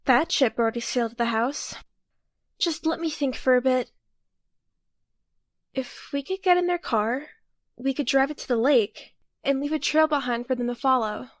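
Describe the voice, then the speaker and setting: High female voice, very dry sound, bossy young planner, exasperated, audio drama, acted by a woman. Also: normal speed, long pauses, no room sound, lightly acted. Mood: thoughtful.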